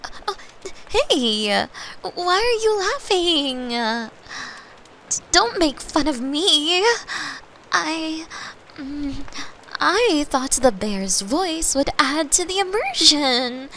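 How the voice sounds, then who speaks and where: A woman in a gentle ASMR bedtime roleplay as a caring girlfriend, speaking softly and at times whispering, close to the microphone. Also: a little high, slight background noise, poor audio. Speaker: audio roleplay performer playing a caring girlfriend.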